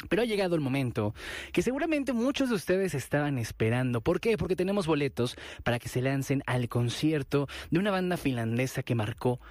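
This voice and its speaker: A man with a Mexican Spanish accent hosting a radio ticket giveaway from a studio booth, animated and repeating phrases for emphasis. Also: on the high side, a little fast, no room sound. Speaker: radio host.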